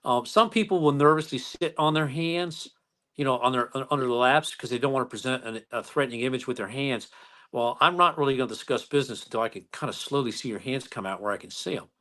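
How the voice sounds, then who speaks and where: A man who is a police officer, telling stories calmly in a casual interview, with many fillers and restarts. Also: medium pitch, quick pace.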